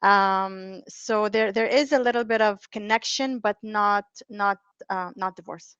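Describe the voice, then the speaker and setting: A woman's voice: mid-range voice, steady tone, unhurried, a bit bright, clean tone, dry recording. A middle-aged woman from Lebanon, a divorce mediator, talking as a guest on a podcast, hesitant with many restarts and fillers. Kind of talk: podcast interview. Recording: dull, dry, lo-fi sound.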